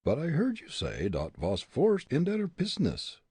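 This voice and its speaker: A man's voice: a little high, wildly swooping pitch, measured pace, a little mellow, slightly rough, dry recording, clean studio sound, voice pushed up, full character voice. A man voicing a scheming male detective with a thick German accent and broken English.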